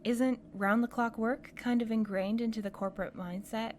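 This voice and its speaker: A woman plays a curious, sensible companion with a fairly high voice. She is playful and expressive yet cautious, in an audio drama scene over clear ambient noise. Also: moderate pace, close to an everyday voice. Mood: uneasy, curious. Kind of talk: audio drama podcast acting. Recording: clear background noise, ambient sound bed.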